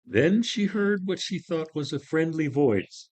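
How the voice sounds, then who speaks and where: A man narrating a play reading in a measured, expressive storytelling style. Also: fairly high pitch.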